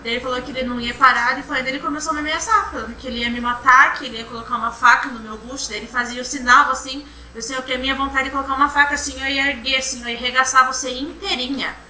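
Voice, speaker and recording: A woman's voice: high voice, steady tone, sharp tone. Young woman testifying in a roomy courtroom. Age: young adult. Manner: halting, repetitive retelling, often restarting with "then". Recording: roomy courtroom from far off, faint hum.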